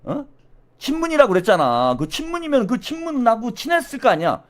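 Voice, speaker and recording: A man hosting solo political commentary, animated and blunt, with slangy speech and constant "어?" tag questions. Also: very high-pitched, brisk.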